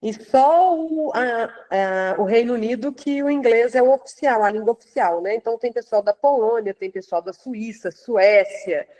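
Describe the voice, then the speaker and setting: A woman hosts the interview in a casual way. Her voice is mellow and a little high, and her questions wander, full of hesitations and fresh starts. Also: moderate pace, few pauses, poor audio. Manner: hesitant, restarts, winding questions.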